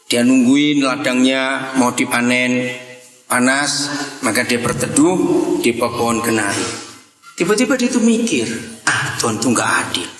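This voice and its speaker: Lively preaching man in echoey hall. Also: mid-range voice. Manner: lively, joking, storytelling with acted-out dialogue. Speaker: pastor. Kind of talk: sermon. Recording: echoey hall with long reverb.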